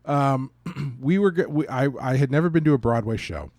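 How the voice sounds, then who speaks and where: Male podcast host, mid-range pitch, wry and conversational, rambling storyteller, dry close sound. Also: lively intonation, moderate pace, darkish tone, dry recording. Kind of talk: casual conversational chat.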